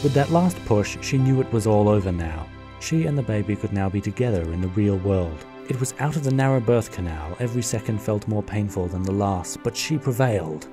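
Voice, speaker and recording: A man's voice: lowish voice, expressive, a little fast, hardly any pauses, over music. A man narrating a fan radio play in a wry, jokey way.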